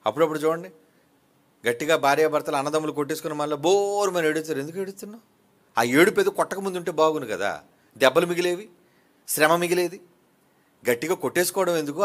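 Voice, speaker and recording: A man preaching with fire, his slightly high voice rising to loud peaks and falling back into quiet asides. He keeps asking questions at his listeners and slips into mimicking gossiping neighbours. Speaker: pastor. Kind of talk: sermon.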